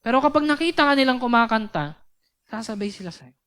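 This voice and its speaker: A woman's voice: a little high, expressive, fast talker, a bit bright, smooth. A young woman preaching at a church youth service, talking casually and often asking the listeners rhetorical questions. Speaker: youth speaker.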